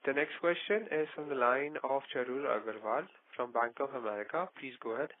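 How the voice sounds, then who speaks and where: A male operator with a mid-pitched voice announces callers over a narrow telephone line. His wording is formal and scripted. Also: fairly quick, dry recording. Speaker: conference call operator.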